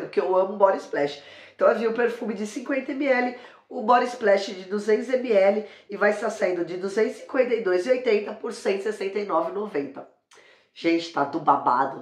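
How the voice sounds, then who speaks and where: A hoarse woman in her forties from Brazil with a São Paulo accent, chatting through a product review and joking about her cold-worn voice. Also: mid-range voice, reverberant. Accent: São Paulo Brazilian Portuguese. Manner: chatty, keeps saying "gente", jokes about her own voice. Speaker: beauty vlogger and sales consultant. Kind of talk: casual product review to camera. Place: indoor room with a brick wall.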